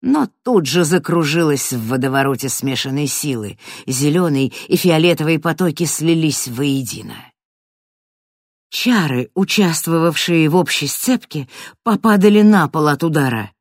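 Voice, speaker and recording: An audiobook narrator reading a fantasy story in a dramatic way, swinging from hushed to loud. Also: medium pitch, animated, a little slow, dry recording, studio quality.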